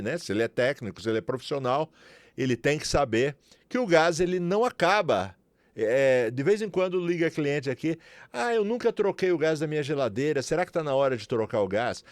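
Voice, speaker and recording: A man's voice: fairly high pitch, no echo. A man from Brazil with a São Paulo accent, teaching refrigeration in a chatty, promotional way and often checking in with "certo?" and "beleza?". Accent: Brazilian Portuguese, São Paulo. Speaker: refrigeration instructor. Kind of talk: casual tutorial talk to viewers.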